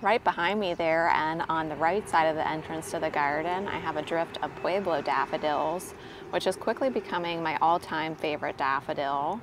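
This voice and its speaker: A woman's voice: sits low, moderate pace, background noise. A middle-aged American woman gardening vlogger, chatting directly to viewers as she shows plants in a casual tour style. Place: home garden outdoors and inside the house.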